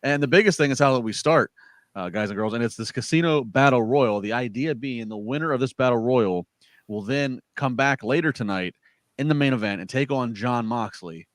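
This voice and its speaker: A man's voice: medium pitch, moderate pace, no echo. A man hosting a casual wrestling podcast, rambling through a show recap with many fillers and restarts. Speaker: podcast host.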